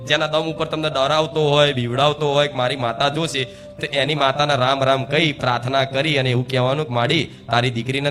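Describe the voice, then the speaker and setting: Bright-voiced devotional preacher, man. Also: a little high. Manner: rhetorical, quizzes the audience and calls for responses; repeats key words for emphasis. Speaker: spiritual preacher speaking as the goddess. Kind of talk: devotional discourse to a live gathering.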